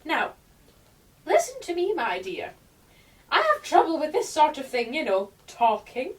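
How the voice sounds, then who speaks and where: A woman playing a sentimental, rambling dead old woman in a radio play, gentle one moment and snappish the next. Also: high voice, wildly swooping pitch, unhurried, heavily acted. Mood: wistful. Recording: distant microphone.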